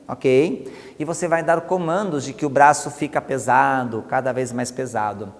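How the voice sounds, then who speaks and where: A man with a Brazilian Portuguese accent teaching a hypnosis technique step by step and acting out slow, soothing commands. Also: mid-range voice. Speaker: hypnosis instructor. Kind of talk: teaching a technique with spoken demonstrations. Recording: long hall reverb.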